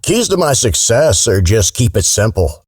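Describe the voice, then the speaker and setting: A man's voice: on the low side, big pitch swings, normal speed, a little mellow, breathy edge, no echo, studio quality. An American man talking casually as an interview guest, with a blunt, salty, informal way of speaking. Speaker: guest, video game voice actor.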